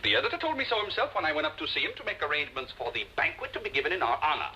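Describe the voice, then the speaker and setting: Brief: pompous husband in a vintage TV drama, bright high voice, huge swoops, grand speechmaker. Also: male voice, very animated, rapid-fire, a little hiss or hum, full character voice, rough recording. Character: pompous self-satisfied husband, fond of speeches. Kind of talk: 1950s television drama acting.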